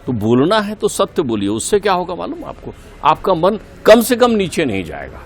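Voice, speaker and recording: A man's voice: sits high, huge pitch swings, normal speed. A middle-aged man giving a spiritual talk as a guest in a TV interview, earnest and preaching, repeating key points for emphasis.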